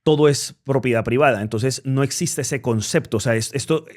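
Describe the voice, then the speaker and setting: A man in his forties whose accent blends Spain with Latin America. He talks emphatically, repeating words as he finds his point, at a middle pitch. It is a relaxed interview conversation. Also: fairly quick. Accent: mixed Spanish and Latin American. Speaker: guest.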